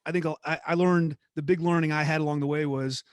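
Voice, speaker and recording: A man's voice: a little high, quick pace, clean tone, no room sound. Middle-aged man telling stories, dry sound. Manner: relaxed, reflective storytelling with frequent restarts. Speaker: guest speaker, former theme park executive. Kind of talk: conversational class talk.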